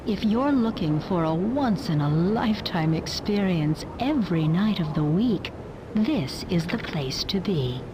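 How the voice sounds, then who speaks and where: An actress playing a brothel's phone greeter in a video game, giving polished, scripted sales patter. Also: female voice, on the low side, lively intonation, measured pace, background noise. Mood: enticing.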